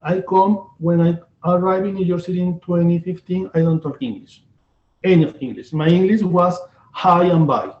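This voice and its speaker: A man from Venezuela with a Venezuelan Spanish accent, hosting a casual interview and often halting to search for words. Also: high voice. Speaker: host. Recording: echoey, dull lo-fi room sound.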